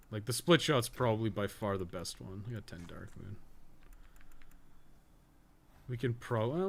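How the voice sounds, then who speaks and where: A man's voice: lowish voice, fairly bright tone. A man livestreaming a game, chatting casually and thinking aloud in a rambling, slangy, sweary way. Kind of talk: casual gameplay commentary, chatting while playing.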